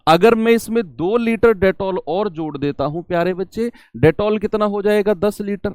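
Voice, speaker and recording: A fairly high-voiced male teacher walks students through a math problem, asking them question after question. His voice swings between loud and soft. The sound is dry and close to the mic. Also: moderate pace, no room sound. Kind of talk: online exam-prep math lesson.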